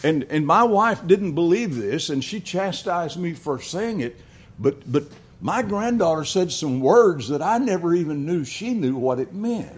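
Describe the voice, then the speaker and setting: A man's voice: fairly high pitch, lively intonation. An older man preaching a sermon, telling family stories with frequent restarts and chuckles. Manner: storytelling, halting with repeated restarts.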